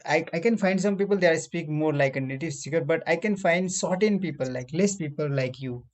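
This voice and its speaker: A man with a South Asian accent chatting casually in halting English, repeating phrases as he goes. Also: fairly high pitch. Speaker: medical lab technician. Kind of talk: casual language-practice chat.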